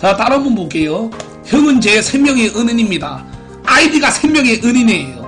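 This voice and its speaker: A man's voice: very high voice, big pitch swings, fairly quick, fairly bright tone, soft background music. A man in his twenties hosting a live stream, reading out viewer posts and giving theatrical announcer-like verdicts in a brash, crude, mocking way. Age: 20s. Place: small indoor room at a computer.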